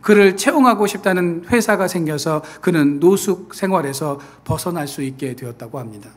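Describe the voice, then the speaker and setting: Earnest male pastor with a slightly high voice. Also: animated, normal speed. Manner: acts out quoted voices, then drops to a soft earnest tone. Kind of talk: sermon. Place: church sanctuary.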